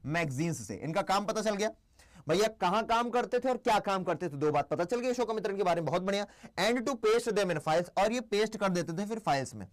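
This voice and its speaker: A young man teaching an English exam lesson on a live stream. He talks in a chatty way, quizzes himself aloud, mixes Hindi and English, and slows down to dictate key points. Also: sits high.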